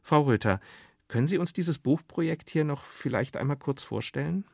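A man's voice: fairly high pitch, animated, moderate pace, creaky, breathy edge, no room sound, clean studio sound. A man hosting an interview, presenting in a prepared, articulate radio style and putting questions to guests. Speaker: interviewer, host.

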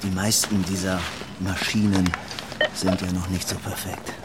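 Over clearly noisy ambience, an easygoing male shopper in a radio drama. His voice is very low. He speaks casually, with a breezy, helpful and faintly flirtatious nonchalance. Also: flat delivery, measured pace. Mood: reassuring, breezy. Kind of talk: naturalistic German radio drama acting.

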